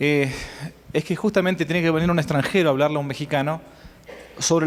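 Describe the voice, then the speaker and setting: A man with a fairly high pitch speaks in an Argentine accent. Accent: Argentine Spanish (Rioplatense). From Argentina. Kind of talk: informal lecture. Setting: conference talk with audience and slides.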